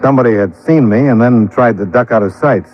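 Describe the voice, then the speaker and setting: An actor playing a cool, shrewd, laconic insurance investigator in 1950s radio detective style. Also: male voice, mid-range voice, a little fast, slight background noise, natural voice. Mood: narrating, tense. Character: cool, wry, shrewd male insurance investigator narrating his case. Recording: dull lo-fi old radio recording.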